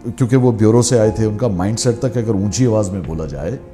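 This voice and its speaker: A middle-aged man from Pakistan, recounting his career in media as an animated storyteller who mixes English phrases into his talk. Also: on the low side, fast talker, faint music behind. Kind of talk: candid memoir conversation.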